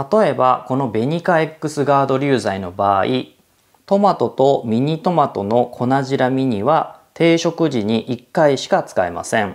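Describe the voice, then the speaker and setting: There is a quiet background as a man talks with lively intonation. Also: fairly slow pace. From Japan, Nagano; Japan. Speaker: gardening YouTuber, agricultural consultant; gardening YouTuber. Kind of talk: tutorial. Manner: clear, explanatory. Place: home room. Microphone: lapel.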